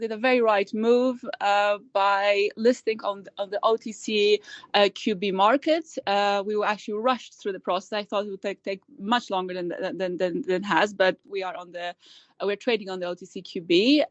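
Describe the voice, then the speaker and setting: Woman, founder, medium pitch, stumbling repeats, dry muffled call audio. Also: no room sound. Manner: fast, repeats words often, many restarts. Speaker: company founder and CEO. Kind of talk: remote interview answers.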